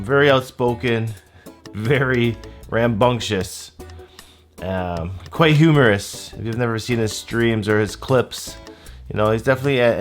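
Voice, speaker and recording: A man in his thirties giving a casual review in a measured, laid-back way. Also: mid-range voice. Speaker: YouTube host. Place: small home room with desk and shelves, indoors. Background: guitar music.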